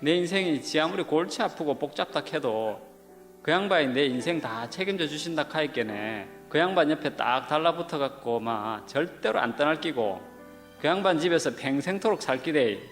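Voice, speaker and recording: A man with a Gyeongsang dialect giving a comic, loud and folksy dialect reading of a scripture passage. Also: a little high, animated. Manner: loud, rough and folksy, drawn-out delivery. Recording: played recording in a reverberant hall with music behind.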